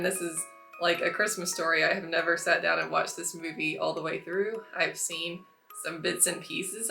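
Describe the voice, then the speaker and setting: A woman's voice: lowish voice, gravelly, sharp tone. A young woman with a stuffy, nasal cold, chatting upbeat to camera as a movie reaction host. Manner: chatty, upbeat, laughs often. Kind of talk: casual chat to camera.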